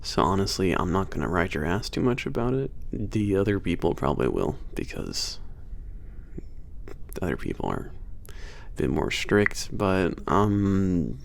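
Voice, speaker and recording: A cocky, easygoing werewolf mechanic played by a man in an audio roleplay, showing a trainee around. His low voice moves freely up and down as he teases and swears. He takes his time, halting casually between phrases. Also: very animated, creaky, full character voice. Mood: wry, easygoing. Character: young laid-back, cocky werewolf maintenance trainer at spaceport. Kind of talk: ASMR roleplay, casual one-sided conversation.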